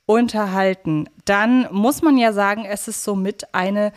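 A woman co-hosting a podcast, talking in a casual discussion style with a medium-pitched voice. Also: a little slow. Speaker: podcast co-host.

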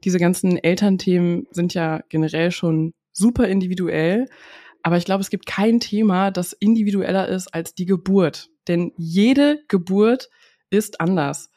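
A woman's voice: lowish voice, dark tone. Podcast host, woman in her thirties, nasal from a cold, upbeat and chatty, steers the conversation. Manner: upbeat, chatty, leads the talk. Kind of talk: casual podcast chat.

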